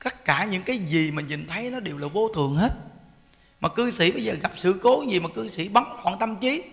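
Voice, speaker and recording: A man, a Buddhist monk giving a sermon in a folksy, animated storytelling manner. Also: high voice, fairly quick, gravelly. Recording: long hall reverb.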